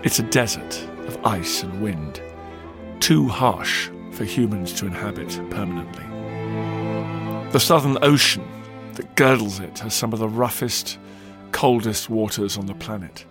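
A man's voice: lowish voice, animated, a little slow. A man narrating a history podcast as its host, in an emphatic, dramatic storytelling delivery. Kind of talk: scripted documentary narration. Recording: narration over loud music.

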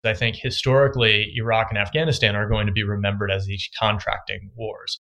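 Male academic interviewee, bright tense voice, a bit lowish, thoughtful explainer. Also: little pitch movement, brisk, gravelly. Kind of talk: interview commentary.

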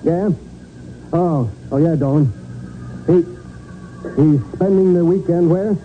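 An actor playing a hard-nosed homicide sergeant in a 1940s radio drama, clipped and commanding. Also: male voice, fairly high pitch, slow. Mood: brisk command. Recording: tinny, noisy 1940s radio recording.

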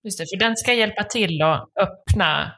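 A woman's voice: medium pitch, fairly bright tone. A woman interviewing a podcast guest, keeping to short questions and brief responses.

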